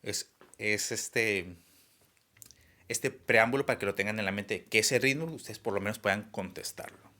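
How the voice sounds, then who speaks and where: A man's voice: lowish voice, moderate pace, pushed and bright. A young man explaining a lesson, with frequent fillers and restarts. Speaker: teacher. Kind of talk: online class lecture.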